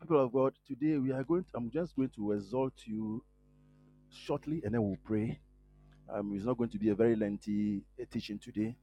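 A man preaching a sermon while hoarse from a cold, earnest and prayerful, growing more fervent as he prays. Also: mid-range voice, a little fast, warm tone, faint music behind. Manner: earnest, prayerful, rising in fervor. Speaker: guest preacher.

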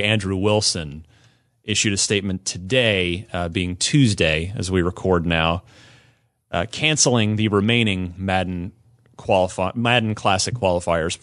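A man hosting a casual gaming podcast, talking with his co-hosts and often halting and restarting mid-sentence. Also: on the low side, no room sound, studio quality. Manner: somber and halting, then lively and animated. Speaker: podcast host.

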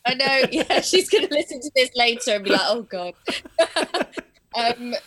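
A woman's voice: on the high side, expressive, normal speed, a bit bright. A young woman with an English accent, a guest chatting casually about her work as a performing arts teacher and editor, with fillers and easy laughs. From born in England, raised in southern Spain. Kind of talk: casual interview chat.

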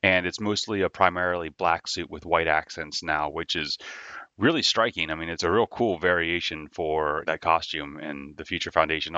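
A toy designer, a man, explaining his figures in a relaxed, detailed way. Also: very deep voice, dry recording, lo-fi sound. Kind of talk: casual explanation.

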